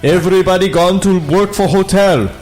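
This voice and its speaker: A man putting on a high, despairing old village sage. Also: moderate pace, darkish tone, faint music behind, close to an everyday voice, low-quality recording. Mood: lamenting. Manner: high, strained, clipped broken phrases.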